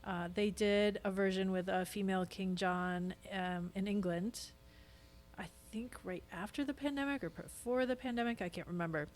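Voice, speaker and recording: Woman in relaxed conversation, medium pitch. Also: normal speed, slight background noise. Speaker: podcast guest, stage actor. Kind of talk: casual conversational podcast chat.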